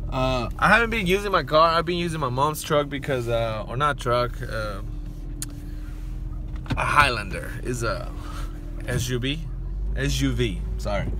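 A man talks at a fairly slow pace, leaving long, frequent pauses. Noticeable background noise fills the dry recording, which has no echo. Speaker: vlogger. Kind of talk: casual vlog chat. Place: car. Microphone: phone near.

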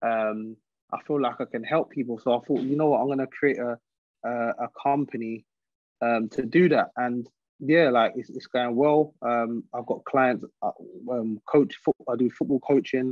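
Speaking in a London accent, a man keeps a medium pitch, a moderate pace and fairly even intonation. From London, England. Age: 30s. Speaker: professional footballer. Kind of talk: casual interview chat.

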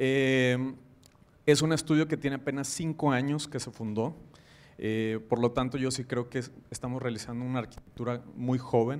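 Speaking at a moderate pace, a man keeps a fairly even intonation. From Ciudad Victoria, Tamaulipas, Mexico; Tamaulipas, Mexico. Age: 40s. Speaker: architect. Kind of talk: talk presentation. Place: hall. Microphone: handheld.

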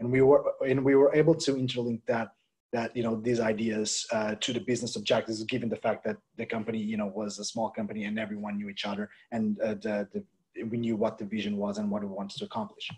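Very fast delivery from a man, intonation fairly even. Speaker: audience member. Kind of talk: audience question. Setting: video call. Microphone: headset.

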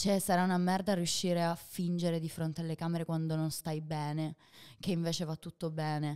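A woman's fairly low, dark and mellow voice at a fairly quick pace. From Sicily (Palermo). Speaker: singer. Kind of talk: casual interview chat. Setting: studio. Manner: animated.

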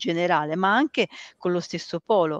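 A fairly low-pitched woman's voice with ordinary pitch variation, the sound dry with no echo and the background quiet. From Tuscany. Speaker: university rector; interviewee. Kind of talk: interview; interview answer. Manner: halting. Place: office. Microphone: headset.

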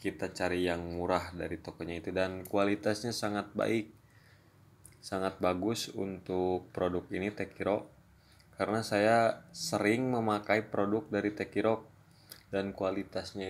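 Delivered at a fairly slow pace, the speech keeps a fairly even intonation. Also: man. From Sundanese region, West Java, Indonesia. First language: Sundanese (speaking Indonesian). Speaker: YouTuber reviewing tools, aspiring mechanic; tool reviewer. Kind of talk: unboxing product review. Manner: halting, not fluent. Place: home room. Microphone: phone near.

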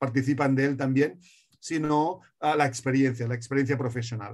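A man talks in an ordinary speaking voice. His pitch is fairly high, with fairly even intonation. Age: 50s. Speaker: author and management consultant; interviewee. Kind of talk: interview. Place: home room. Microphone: video call.

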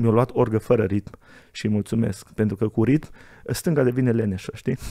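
Over a quiet background, a man with a dark, mellow tone talks at a moderate pace. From Romania, Bihor (Ștei); Bihor, Romania. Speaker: evangelist and church elder; evangelist. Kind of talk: casual interview with preaching. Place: studio. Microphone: studio mic.

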